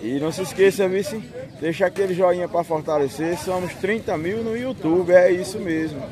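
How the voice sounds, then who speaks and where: A man's voice: high voice, normal speed, crowd noise. A man with a Northeastern Brazilian accent, chatting casually as he films an outdoor animal market. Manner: chatty, keeps pointing things out. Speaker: vlogger filming a market. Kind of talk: casual walking vlog commentary. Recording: crowded outdoor market noise.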